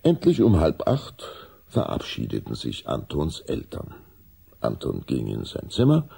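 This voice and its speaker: A male narrator tells a children's story in a very husky, deep voice. His delivery is unhurried and expressive, as scripted storytelling.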